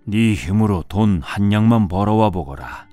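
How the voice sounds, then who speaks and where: A man's voice: on the low side, animated, normal speed, warm tone, no echo, natural voice. A man voicing a stern, weighty old father in an audiobook folk tale, with music behind. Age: older. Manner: scolding, weighty, old-fashioned speech. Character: stern old father, wealthy and worried, testing his son.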